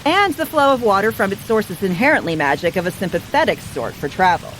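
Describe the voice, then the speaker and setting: An actress playing a world-weary, evasive underworld dweller in an audio drama, with a dry, sardonic and understated manner. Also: female voice, medium pitch, sing-song, fast talker, a bit bright, slight background noise, poor audio. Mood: wry explaining. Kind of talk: scripted audio drama acting.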